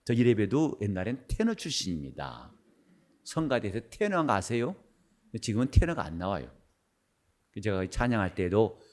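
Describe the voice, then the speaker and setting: A middle-aged man preaching a sermon as pastor, his voice husky and worn, switching between loud bursts and quiet asides. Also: lowish voice. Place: church sanctuary.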